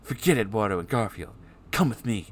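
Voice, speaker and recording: Guy doing a sly sinister villain, smooth and tempting, mostly his own voice. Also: fairly low pitch, animated, fairly quick. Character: sinister, smooth-talking male pop-star villain.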